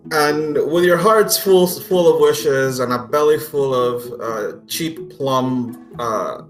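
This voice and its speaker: A man's voice: on the high side, slow. A man narrating a tabletop game casually as game master, in a playful, jokey manner. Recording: roomy echo, music behind.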